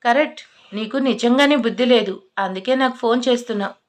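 A woman's voice: on the high side, brisk, lightly acted. A woman voicing a young female college student who answers back, defensive and mocking. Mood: defiant.

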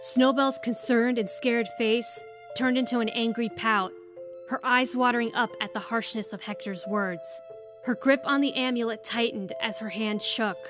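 A woman's voice: fairly high pitch, steady tone, moderate pace, music in the background. A woman reading scripted story narration as the narrator of an audio drama.

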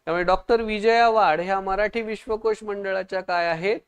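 In an online exam-prep lesson, a man quizzes his viewers, pushes them to answer fast, and praises their comments. His voice is high, steady, and clean.

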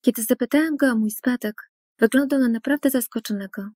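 A woman reading a first-person story as a scripted voice-over, earnest and hushing at tense moments. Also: a little high, brisk, no room sound, clean studio sound. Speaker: narrator.

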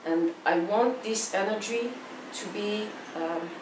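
A woman's voice: medium pitch, slow. A woman in her forties from Israel, with an Israeli accent and Hebrew as her first language, answering interview questions thoughtfully and often restarting her phrases. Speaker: artist guest. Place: indoor room with plain walls. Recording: echoey room, distant mic, faint hiss.

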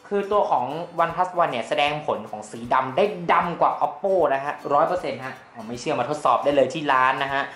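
A man hosting a casual phone comparison in a phone shop, chatty and animated as he hypes results. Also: on the high side, fairly quick, hardly any pauses. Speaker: tech review host. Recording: echoey room with faint music.

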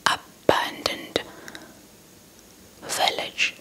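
A young woman from South Africa whispering a folktale in ASMR style close to a small microphone, deliberate and repeating words. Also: rough recording. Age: young adult. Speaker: ASMR storyteller. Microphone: small handheld mic held close to the mouth.

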